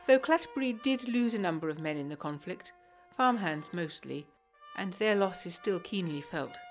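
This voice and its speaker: A woman's voice: fairly low pitch, close to an everyday voice. An actress playing a genteel, frail young Englishwoman of the 1920s, reading her letter aloud in a formal, earnest, articulate manner for a gothic period audio drama. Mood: solemn, reflective.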